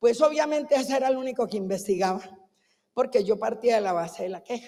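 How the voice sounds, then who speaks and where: The tone is dark and mellow. The intonation rises and falls in a lively way. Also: woman. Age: 60s. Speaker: government official. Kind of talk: conference talk.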